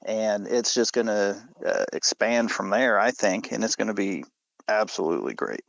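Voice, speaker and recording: A man's voice: lowish voice, normal speed, creaky, no echo, rough recording. A man speaking casually as a podcast guest. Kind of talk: casual chat.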